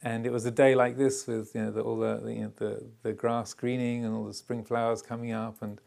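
An older man gives a calm dharma talk to a retreat group. His voice sits at an ordinary male pitch and carries a gravelly edge. He pauses often and restarts his phrases as he thinks aloud. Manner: halting and reflective, with frequent hesitations. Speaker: Buddhist teacher.

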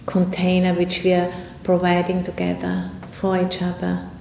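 A woman giving a guided meditation talk as a meditation teacher, speaking in an unhurried, reflective way with long pauses. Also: completely flat delivery, vocal fry, warm tone. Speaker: Buddhist nun and meditation teacher. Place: indoor room at a retreat center. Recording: roomy echo, faint rumbling background noise.

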